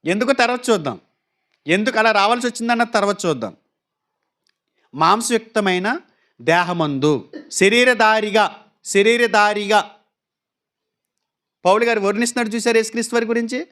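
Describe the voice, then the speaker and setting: A man with a high voice preaches a sermon. He keeps asking the congregation direct questions and acts out the quoted voices in his anecdotes. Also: fast, long pauses, fairly bright tone.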